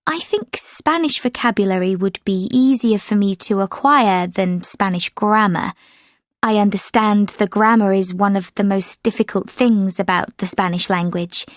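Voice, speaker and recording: Woman, native French speaker, steady delivery with frequent fillers, dry studio. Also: mid-range voice, no room sound. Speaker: sample answer speaker. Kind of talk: scripted exam answer recording.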